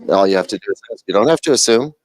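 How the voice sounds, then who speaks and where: Brief: low-voiced man, wry and self-mocking, casual panel banter, dry close mic. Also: lively intonation, rapid-fire, no echo. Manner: wry, joking, self-deprecating. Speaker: TV shootout panelist. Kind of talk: casual livestream chat. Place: TV viewing room.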